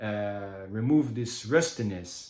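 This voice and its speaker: A man with a Brazilian accent and a fairly low pitch, plus audible room echo. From Brazil, countryside of São Paulo state. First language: Brazilian Portuguese. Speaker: YouTuber, English learner. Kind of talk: personal monologue to camera. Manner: halting, many repetitions and fillers.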